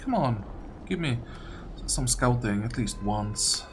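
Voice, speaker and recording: A man's voice: medium pitch, animated, slow, a little hiss or hum. A man giving casual gameplay commentary, muttering short reactions to himself as he plays. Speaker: gaming video creator playing and commenting. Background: game music.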